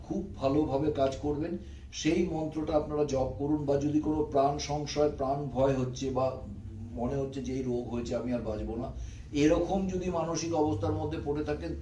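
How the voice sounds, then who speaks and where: A man with a mellow, somewhat raised voice gives devotional advice, repeating himself earnestly to viewers. He chants Sanskrit mantras slowly and drawn out. The sound is roomy and a little distant from the mic, with faint background noise. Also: a little high. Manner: slow, drawn-out chanting of Sanskrit mantras between plain explanation. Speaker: astrology channel host.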